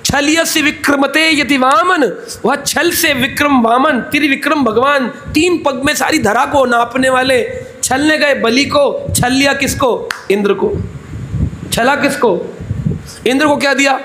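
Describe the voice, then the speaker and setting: A man preaches a Bhagavatam discourse in a temple hall, voicing the story's characters as he tells it and putting questions to his listeners only to answer them himself. He talks a little slowly, his very high voice fairly bright in tone. Some slight background noise can be heard.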